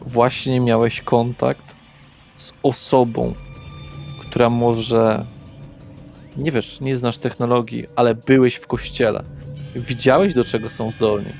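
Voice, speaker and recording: A man narrating a tabletop roleplay session as game master, measured and deliberate. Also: mid-range voice, little pitch movement, creaky, a little mellow. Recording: faint music behind.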